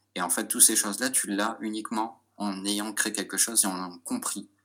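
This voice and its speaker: Fairly low in pitch, this man's voice has a bright, sharp tone. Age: 20s. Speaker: UX/UI designer and startup founder. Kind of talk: interview. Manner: hesitant with fillers.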